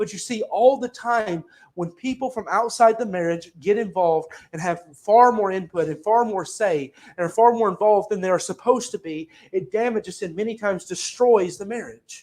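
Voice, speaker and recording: Speaking with an American accent, a man uses a high pitch with ordinary pitch variation at a moderate pace. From United States. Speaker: preacher. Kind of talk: sermon.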